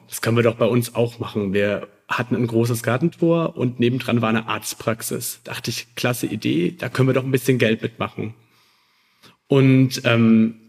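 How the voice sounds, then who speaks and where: A man's voice: medium pitch, a little mellow. Man casually telling personal anecdotes. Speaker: podcast guest.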